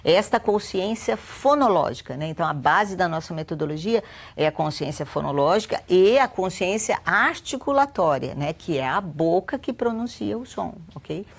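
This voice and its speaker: A woman's voice: on the low side, animated, moderate pace, vocal fry, slightly rough. A Brazilian woman educator with a Brazilian Portuguese accent, explaining a teaching method patiently and often checking in with her listener. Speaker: guest educator. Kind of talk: explanatory interview talk.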